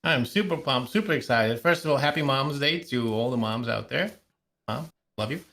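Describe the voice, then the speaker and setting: A man co-hosting a gaming podcast who explains at length in an energetic, rambling way. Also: mid-range voice, normal speed. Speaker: podcast co-host. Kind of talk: casual podcast chat.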